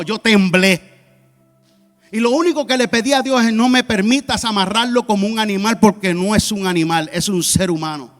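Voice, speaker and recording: A man preaching a sermon as pastor, telling a personal testimony with loud peaks and quiet asides. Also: high voice. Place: church sanctuary. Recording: long church hall reverb, faint music.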